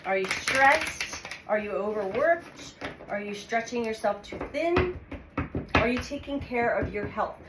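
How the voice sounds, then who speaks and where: A woman giving a weekly tarot reading in a calm, unhurried way, congested from a cold and pausing as she draws cards. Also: fairly high pitch. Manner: calm, unhurried, speaks with pauses while drawing cards. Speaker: tarot reader. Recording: echoey room with audible background noise.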